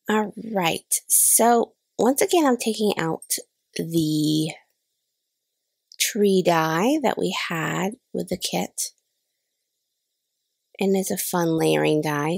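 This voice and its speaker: A card-making channel host in her thirties chats through a crafting tutorial voice-over, recorded separately, and laughs off her own mistakes. Her fairly low voice is gravelly, darkish, and breathy-edged, slightly nasal from a cold. The studio-quality recording has no room sound.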